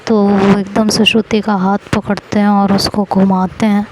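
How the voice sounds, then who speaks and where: A woman's voice: mid-range voice, little pitch movement, moderate pace, background noise. A woman narrating a love story in a casual, chatty way, retelling each scene. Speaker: audio story teller.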